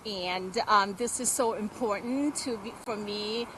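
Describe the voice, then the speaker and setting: Woman, earnest and halting. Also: medium pitch, background noise. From Thailand. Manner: earnest and halting, with many pauses and fillers. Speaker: interviewee. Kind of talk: street interview. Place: outdoors in the cold by a roadside.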